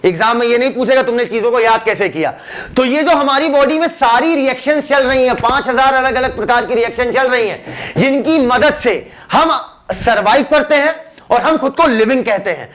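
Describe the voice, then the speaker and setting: A man's voice: very high-pitched, a bit bright. A man teaching a biology class in a chatty, teasing manner. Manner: chatty, teasing, addresses students as beta. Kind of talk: classroom lecture.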